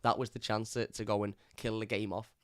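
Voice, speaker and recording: A hoarse man, hosting a live fan review and ranting bluntly. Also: on the low side, flat delivery, brisk, a bit bright, no echo, studio quality. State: hoarse from lost voice. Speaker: fan channel host. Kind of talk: live stream match review.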